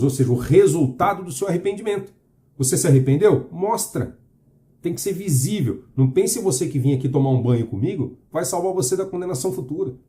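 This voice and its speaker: Earnest Brazilian man preaching, dark voice. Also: on the high side. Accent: Brazilian Portuguese. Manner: earnest, questioning, emphatic. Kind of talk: preaching to camera, reading scripture.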